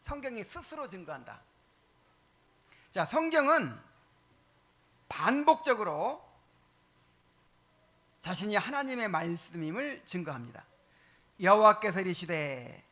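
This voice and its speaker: Male pastor, catechism sermon, high lively voice, quizzes the congregation, repeats his points. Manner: asks the congregation questions, emphatic repetition; frequent fillers and pauses.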